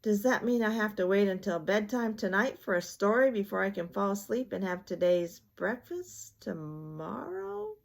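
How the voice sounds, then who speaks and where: A polite, slow-thinking little storybook bear played by a woman. The voice is gentle and thoughtful, choosing words with some hesitation. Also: mid-range voice, animated, gravelly. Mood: worried.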